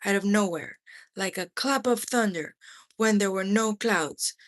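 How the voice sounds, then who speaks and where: A woman narrates a memoir in a read-aloud style with a medium-pitched voice. Her phrasing is deliberate and measured, with dramatic pauses between short phrases. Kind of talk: expressive audiobook-style narration.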